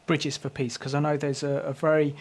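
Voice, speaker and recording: A man hosting a talk program, presenting in a measured, earnest way and questioning his guest. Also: a little high, flat delivery, a little mellow. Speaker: program host. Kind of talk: presenting and interviewing.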